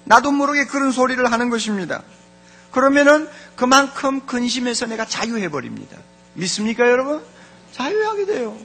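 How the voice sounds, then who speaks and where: A man's voice: extremely high pitch, expressive, brisk, sharp tone. A man preaching a sermon as pastor, fervent, repeating key words and speaking straight to the congregation.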